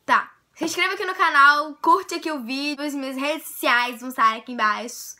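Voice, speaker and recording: A young Brazilian woman with a Brazilian Portuguese accent, talking in a playful, self-mocking vlog, with loud bursts and low mutters. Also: brisk. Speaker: YouTuber. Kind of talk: casual vlog monologue.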